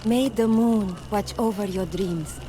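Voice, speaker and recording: A woman acting a serene, patient tribal villager in a video game, speaking gently and formally. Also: mid-range voice, measured pace, noisy background, natural voice.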